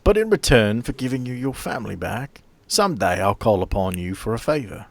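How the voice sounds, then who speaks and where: A man voicing a friendly, courteous stranger in a tabletop game, smooth-talking and folksy as he offers a deal. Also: medium pitch, big pitch swings, a little fast. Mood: smooth, persuasive. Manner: genial, folksy, courteous salesman patter.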